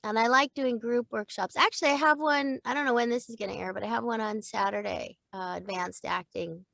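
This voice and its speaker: A middle-aged woman, a voice actor and acting coach, chatting in an interview in a lively way and laughing easily. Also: on the high side, a little fast, vocal fry, no echo. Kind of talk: casual interview chat.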